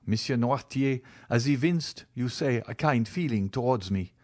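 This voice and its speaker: A man's voice: mid-range voice, expressive, moderate pace, a little mellow, natural voice. A man voicing an ardent young lover who speaks earnestly and fervently in an audiobook reading.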